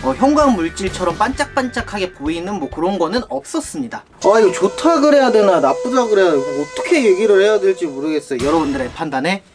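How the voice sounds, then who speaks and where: A young man presents a product test with a very lively, varied pitch. He talks to viewers in a polite, conversational way, and music plays behind him. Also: quick pace, hardly any pauses. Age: young adult. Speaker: product review video host. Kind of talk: casual product test commentary.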